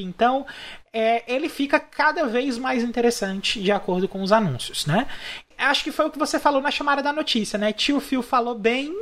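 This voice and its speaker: A man's voice: sits high, fairly bright tone. A man with a Brazilian accent co-hosting a podcast in casual chat, easygoing and leaning on tag questions. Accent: Brazilian Portuguese. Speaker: podcast co-host.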